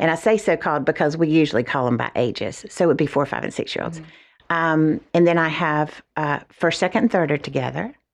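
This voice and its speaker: A woman with a very deep, low pitch and vocal fry at a very fast pace. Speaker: Montessori school representative. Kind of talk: radio interview. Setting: studio.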